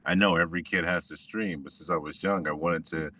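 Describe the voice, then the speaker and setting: A middle-aged man from Washington State, a former football player telling his story in a relaxed, reflective way with many restarts. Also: deep voice, a little fast, far from the mic, a little hiss or hum. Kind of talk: conversational interview.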